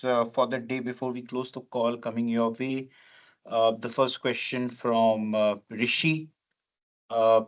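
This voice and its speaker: Polite, halting male conference call moderator. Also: mid-range voice, muffled recording. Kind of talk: reading out analyst questions.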